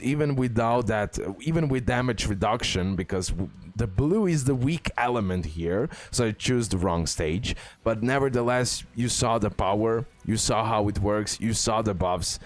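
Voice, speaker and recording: A man giving casual, excitable gameplay commentary, repeating words and talking straight to his viewers. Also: fairly low pitch. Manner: excitable, repetitive, addresses viewers directly. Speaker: gaming content creator, host. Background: music.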